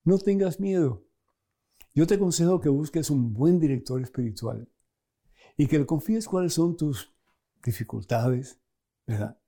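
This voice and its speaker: A middle-aged man, a priest hosting a program, preaching and answering viewer questions in an animated way, chuckling between points. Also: measured pace, pauses often. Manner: animated, acts out scripture quotes with sudden pitch jumps.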